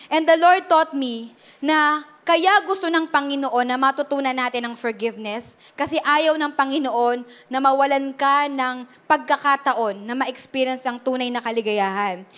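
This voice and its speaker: A woman's voice: high voice, fairly bright tone. A Filipino woman pastor preaching a sermon earnestly, switching between Tagalog and English and checking in with the congregation.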